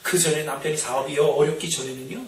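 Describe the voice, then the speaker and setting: A man's voice: fairly high pitch, fairly even intonation, quick pace. A man preaching a sermon as pastor, telling a story, acting out the people in it and putting questions to the congregation. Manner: storytelling, acts out quoted voices, asks the congregation questions. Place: church sanctuary. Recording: roomy church hall, mic at a distance.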